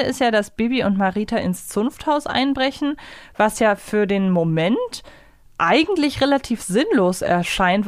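A woman's voice: mid-range voice, dry recording, clean studio sound. A woman co-hosting a podcast, casually discussing and explaining her opinions in loose, reflective asides. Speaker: podcast co-host. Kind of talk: casual discussion of an audio drama episode.

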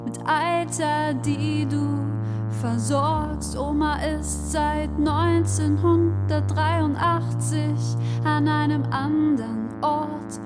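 A woman's voice: sits high, fairly even intonation, extremely slow, music in the background. A woman singing a ballad with musical accompaniment. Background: loud musical accompaniment.

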